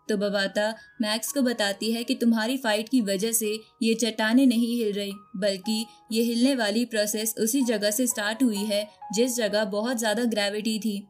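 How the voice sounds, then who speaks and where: A woman with a fairly high voice narrates a story recap from a script. She tells it as a storyteller, moving from one event to the next. Background music runs beneath her voice. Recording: music bed under the voice.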